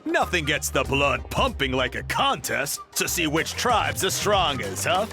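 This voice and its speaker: A man's voice: a little high, very animated, a little slow, vocal fry, over music, full character voice. A man voicing a spirited, teasing, competitive tribal chief in a video game. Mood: eager. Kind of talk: video game character acting.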